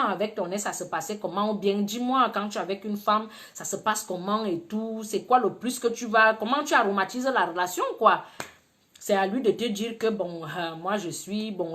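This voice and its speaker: A woman from Cameroon gives casual advice to women, telling stories with teasing asides and acting out the people in them. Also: mid-range voice. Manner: animated storytelling, teasing asides, acts out quoted people. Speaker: video blogger giving advice to women.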